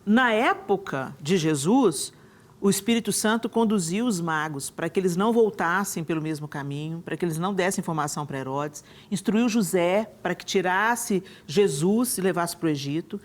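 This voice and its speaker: A woman's voice: lowish voice, animated, moderate pace. A woman hosting a TV talk show from a studio, speaking enthusiastically with frequent restarts and tag questions. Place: television studio.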